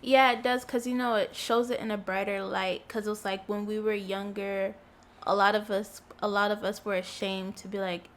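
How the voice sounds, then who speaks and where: A young woman being interviewed, giving relaxed, short answers with frequent giggles. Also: medium pitch, moderate pace. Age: young adult. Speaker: interview guest. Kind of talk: casual interview chat.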